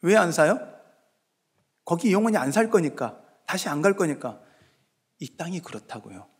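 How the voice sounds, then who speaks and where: A male pastor giving a sermon, moving between hushed asides and loud, emphatic exhortation, now and then acting out his listeners in dialogue. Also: a little high, sing-song, normal speed, slightly rough. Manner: acts out congregants' voices in dialogue. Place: church sanctuary. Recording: long reverb of a church sanctuary.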